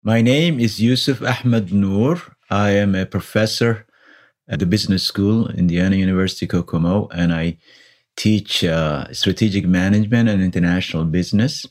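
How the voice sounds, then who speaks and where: A man from Somalia with a Somali accent, a professor answering interview questions in a measured, reflective way with pauses. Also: fairly low pitch. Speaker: business professor, interview guest.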